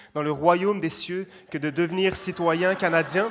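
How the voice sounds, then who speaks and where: This is a man speaking. His pitch is high. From France. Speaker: pastor. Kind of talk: sermon. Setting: church. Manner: hesitant, frequent 'euh' fillers.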